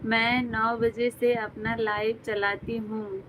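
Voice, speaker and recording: A chatty woman from Uttar Pradesh hosts a live stream from home, reading out comments and greeting viewers by name. Her voice sits a little high but stays level, with little rise and fall. A faint hum runs under the recording. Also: little pitch movement, slow pace, fairly bright tone, poor audio. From Uttar Pradesh, India.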